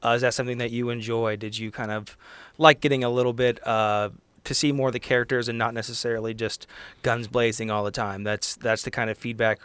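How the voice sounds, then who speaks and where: A man talking casually and haltingly as a player and co-host of a tabletop game podcast. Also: mid-range voice, little pitch movement, a bit bright, clean tone, no echo.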